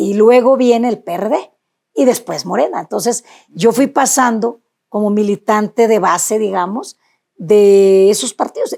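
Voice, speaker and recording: Speaking with a Sinaloan accent, a woman talks at a fairly slow pace in a dark, mellow tone, her pitch fairly high with ordinary variation. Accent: Sinaloan Mexican. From Mexico, Sinaloa (Guasave). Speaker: senator, politician. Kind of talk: interview. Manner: hesitant, many fillers.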